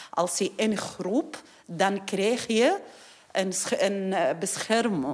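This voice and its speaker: A woman speaks at a very slow pace with a medium pitch. Her loudness stays very even throughout. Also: ordinary pitch variation. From Palestinian territories. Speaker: poet. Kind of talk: casual conversation. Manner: halting.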